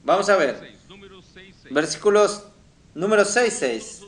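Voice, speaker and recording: A man's voice: high-pitched, animated, slow pace. A man preaching a teaching sermon to teenagers in a didactic way, often putting questions to his listeners. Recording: roomy, echoing sound.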